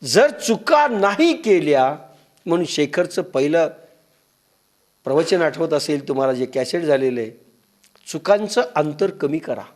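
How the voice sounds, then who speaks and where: A spiritual discourse speaker with a Marathi accent delivers a devotional talk in a sing-song, slightly slow, somewhat mellow voice. He tells stories and acts out their dialogue in low, muttering voices.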